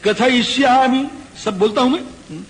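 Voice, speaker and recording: A man giving a devotional scripture discourse, chanting verses and then explaining them in a lively, rhetorical way. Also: high-pitched, normal speed. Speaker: scripture reciter. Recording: long hall reverb, faint background noise.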